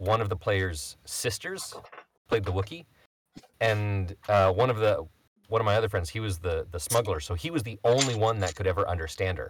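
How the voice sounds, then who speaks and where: Lively intonation in a somewhat breathy voice at a moderate pace, on a very clean recording with a silent background. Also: man. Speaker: voice actor. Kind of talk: casual chat. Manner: pleasant to listen to.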